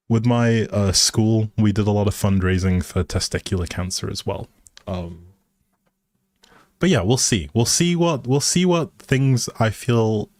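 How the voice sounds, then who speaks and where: A man's voice: deep voice, darkish tone, no echo. A man hosting a livestream, chatting casually and informally straight to his viewers. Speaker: livestream host.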